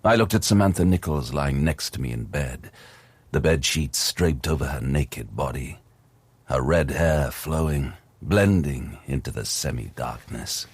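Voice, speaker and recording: A man's voice: animated, measured pace, breathy edge, dry recording, full character voice. An actor playing a haunted, grim male detective who narrates his story in an audio drama. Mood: brooding. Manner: low, brooding first-person narration. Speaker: narrator and lead.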